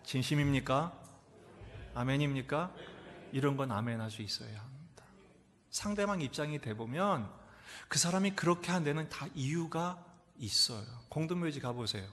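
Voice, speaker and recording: A middle-aged male pastor preaching a sermon in a church, asking rhetorical questions and answering them, swinging from loud exclamations to near whispers. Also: medium pitch, expressive, moderate pace. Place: church sanctuary. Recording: echoey church hall reverb.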